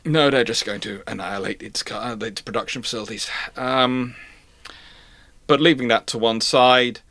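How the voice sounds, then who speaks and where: A man hosting a live question-and-answer talk, speaking in a halting, stammering way and often circling back to rephrase. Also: medium pitch, a bit bright. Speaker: host answering audience questions. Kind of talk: live question-and-answer talk on military history and current affairs.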